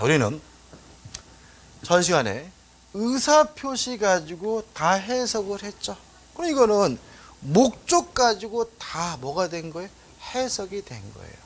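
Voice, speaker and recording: Animated middle-aged male law lecturer. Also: high-pitched, slight background noise. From Seoul, South Korea. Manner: chatty, asks rhetorical questions, tells anecdotes. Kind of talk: exam-prep lecture.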